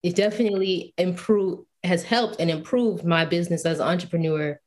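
A woman speaks as a podcast guest in an animated, emphatic manner. Her voice sits a little low for a woman. She talks in a relaxed, conversational way. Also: brisk. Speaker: guest, UI/UX designer and photographer. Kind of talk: casual podcast interview.

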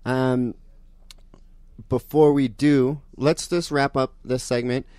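A man's voice: mid-range voice, fairly even intonation, slow pace, mellow, clean tone, no room sound, studio quality. A man hosting a talk show, speaking emphatically and often checking in with "you know?". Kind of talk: casual radio talk.

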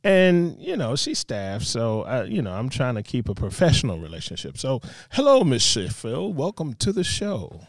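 A man's voice: mid-range voice, normal speed, hardly any pauses, no echo. Man, show host, playful banter, dry studio sound. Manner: playful, laughs often, lively banter. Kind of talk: casual studio chat.

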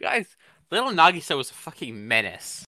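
Bright, animated, teasing young-sounding man. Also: fairly high pitch, normal speed, dry recording, studio quality. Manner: teasing, sardonic interjections. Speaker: podcast co-host. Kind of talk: casual banter.

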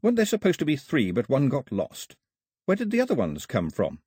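A man voicing a fierce, bossy young woman who snaps out commands in a raised, sharp voice. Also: medium pitch, huge pitch swings, a little fast, breathy edge, pitched above the performer's own voice. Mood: puzzled.

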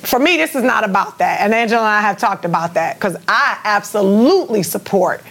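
A woman's voice: mid-range voice, lively intonation, a little fast, fairly bright tone. A woman in a heated panel debate, insistent and focused on facts. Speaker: panel guest.

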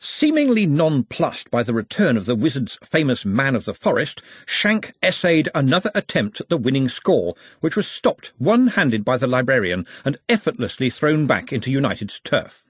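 Pompous male match reporter, as a male narrator does him: florid, mock-solemn, very varied pitch, dry recording. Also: big pitch swings, normal speed, few pauses, slightly rough, dry recording.

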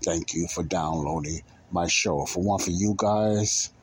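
A man's voice: low-pitched, a little slow, a little hiss or hum. A man hosting a casual Christian talk show, speaking in a rambling monologue and repeating phrases for emphasis. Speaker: podcast host.

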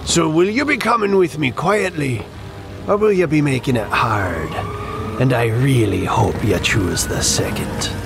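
A man's voice: mid-range voice, expressive, measured pace, creaky. A man voicing a swaggering pirate captain, the smug rival brother, with a teasing, sly drawl. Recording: music bed under voice.

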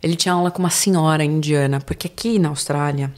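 A woman's voice: deep voice, fast. A young woman with a São Paulo accent, chatting casually as a podcast guest and acting out the people she quotes. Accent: São Paulo Portuguese. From Brazil. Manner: animated storyteller, acts out quoted dialogue. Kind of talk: casual chat.

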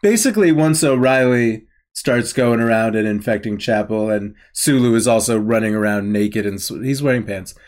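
A man's voice: fairly low pitch, expressive, moderate pace, hardly any pauses, a little mellow. A man co-hosting a casual podcast, recapping a TV episode with wry, laughing asides. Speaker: podcast co-host.

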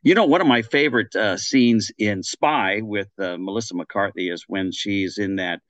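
A man's voice: fairly low pitch, normal speed, fairly bright tone, no room sound. A man, an actor being interviewed, joking along in a goofy, rambling way. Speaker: actor, podcast guest.

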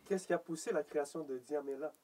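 A man's voice: a little high, fast, dark tone, no echo. A man asking short, direct questions as the interviewer.

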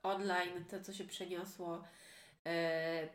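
A woman's voice: on the low side, little pitch movement, slow pace. A woman podcast host talking casually, often trailing off and restarting her thoughts. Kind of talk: casual conversational interview. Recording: roomy echo.

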